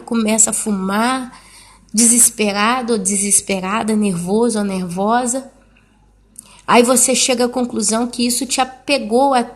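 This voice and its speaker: A woman preaching a sermon, fervent and pleading, speaking straight to the listener. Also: fairly high pitch.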